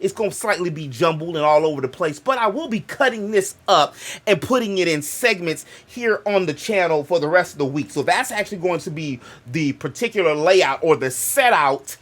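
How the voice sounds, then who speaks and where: A man's voice: on the high side, expressive, moderate pace, fairly bright tone. A young man with a Black American accent hosting a gaming channel, talking in a loose, joking, digressive way that keeps interrupting itself. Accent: African American English. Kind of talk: rambling casual monologue.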